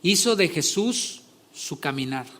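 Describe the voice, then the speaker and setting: Male pastor, fairly high voice, conversational sermon with emphatic swells. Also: lively intonation, a little slow. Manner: conversational, rising loud when retelling scripture scenes.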